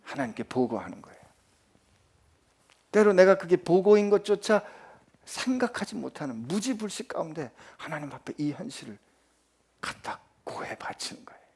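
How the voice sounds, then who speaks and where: A male pastor delivering a sermon, moving between loud, emphatic pleading and soft near-whispers, and putting rhetorical questions to his listeners. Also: high voice, very animated, normal speed, husky. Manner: asks the congregation rhetorical questions.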